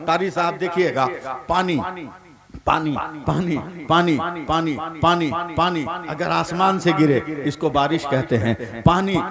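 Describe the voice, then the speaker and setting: A man from India preaching a religious sermon to a gathering, swinging from fervent shouts to quiet asides, with rhythmic repeated refrains. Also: fairly high pitch. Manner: rises to fervent shouting, then drops to soft conversational asides. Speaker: Islamic preacher. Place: outdoor religious conference stage. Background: crowd at a large religious gathering.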